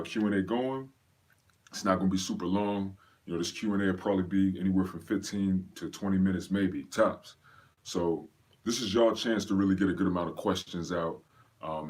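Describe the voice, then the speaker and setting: His voice is low with a breathy edge. He's a Pennsylvania native who grew up in North Carolina, running a relaxed fitness Q&A livestream and calling out viewers by name in easygoing slang.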